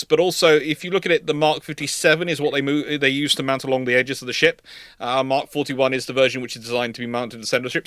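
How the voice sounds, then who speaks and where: A man's voice: medium pitch, fairly bright tone, dry recording. British man, rambling livestream host, dry close sound. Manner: rambling, stammering and repeating words as he explains. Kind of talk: casual naval history question-and-answer chat.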